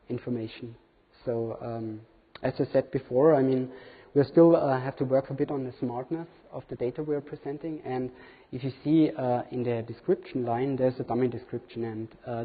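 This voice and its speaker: A man's voice: mid-range voice, husky. A man in his thirties, not a native English speaker, giving a hesitant demo talk with many fillers in a large conference hall. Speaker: conference presenter. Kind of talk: live product demo talk. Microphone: room recording from far camera. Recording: tinny, reverberant hall from far off.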